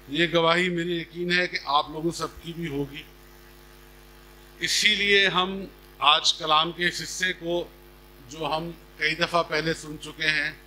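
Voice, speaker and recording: A middle-aged man preaching a sermon in a measured, deliberate manner, speaking into a podium microphone. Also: fairly high pitch, pushed and bright, a little hiss or hum, low-quality recording. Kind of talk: sermon with scripture reading. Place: stage at a church gathering. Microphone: podium microphone on a stand.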